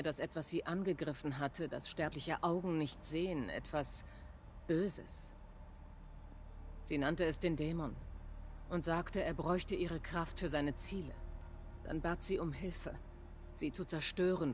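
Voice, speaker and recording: A woman's voice: low-pitched, slight background noise. A woman playing a devout middle-aged tribal shaman in a video game, speaking in grave, formal, dramatic phrases.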